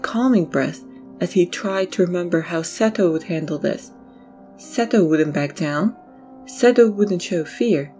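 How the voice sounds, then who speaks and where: A woman's voice: on the low side, dark tone. A woman narrating an audio drama in a scripted, storytelling read.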